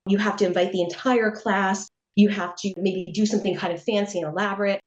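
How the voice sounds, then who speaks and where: A woman's voice: mid-range voice, steady tone, a little fast, dull audio. A middle-aged American woman answering interview questions in a chatty, reflective way, hedging often and laughing now and then. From United States. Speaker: interview guest, writer.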